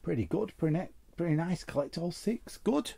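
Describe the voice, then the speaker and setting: A man's voice: fairly high pitch, expressive, moderate pace, vocal fry, dark tone, slightly rough. A man giving casual, chatty unboxing commentary as host, muttering and repeating short phrases to himself. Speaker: host of a trading card opening show.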